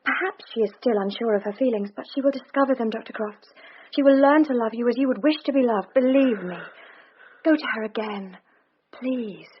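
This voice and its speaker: A woman's voice: fairly high pitch, a little fast, a little hiss or hum, close to an everyday voice. An actress as an eager, teasing young Victorian woman. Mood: pleading. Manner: eager, coaxing, playful. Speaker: actor. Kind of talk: period radio drama acting. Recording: dull, slightly muffled broadcast audio.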